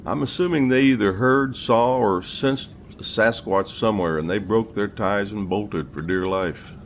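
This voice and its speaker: A man playing a seasoned old captain in an audio drama, telling his story in a steady, folksy, unhurried way. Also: lowish voice, slight background noise, lightly acted. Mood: reflective. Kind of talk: audio drama narration and dialogue.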